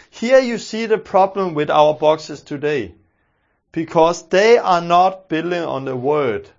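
A preacher with a Danish accent teaches a sermon, earnest and emphatic, repeating his key phrases. His voice sits high, and the highs are cut off in the recording.

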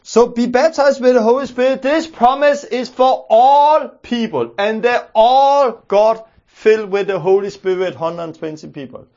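A man's voice: extremely high pitch, unhurried, hardly any pauses, darkish tone, lo-fi sound. A man with a Danish accent, teaching a sermon in an earnest, emphatic way, repeating his key phrases. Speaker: preacher.

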